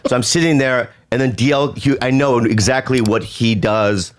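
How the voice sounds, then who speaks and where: Animated, laughing male storyteller. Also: medium pitch, moderate pace, a little hiss or hum. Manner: animated, laughs often, swears freely. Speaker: podcast host telling a story. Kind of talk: casual storytelling chat.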